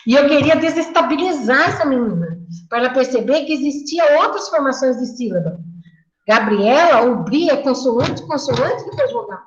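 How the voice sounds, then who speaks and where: Woman teacher, lively and echoey. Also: high voice, moderate pace. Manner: lively, acts out classroom dialogue. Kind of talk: teacher training talk. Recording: echoey lo-fi room.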